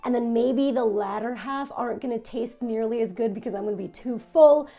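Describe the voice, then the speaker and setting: A young woman food vlogger hosts a casual tasting vlog from her home in Japan, hoarse and nearly losing her voice. Her voice sits on the high side, and she talks a little fast in a subdued, raspy monotone with small laughs.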